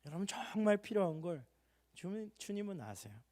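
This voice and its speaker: A young adult male pastor preaching an emotional sermon in a church hall, swinging from loud rising appeals to hushed low tones. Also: big pitch swings, a little fast.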